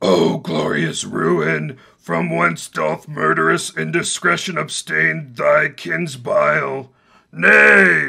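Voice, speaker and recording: Very slowly, a man speaks in a very deep, low voice. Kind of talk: overwrought mock-Shakespearean stage acting. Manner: grandiose, theatrical.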